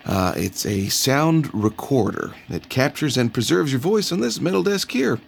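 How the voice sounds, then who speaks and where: A man's voice: mid-range voice, sing-song, moderate pace, vocal fry, slight background noise. An actor playing a nervous young male anthropology professor who hesitates and fumbles. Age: young adult. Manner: hesitant, fumbling, full of uhs.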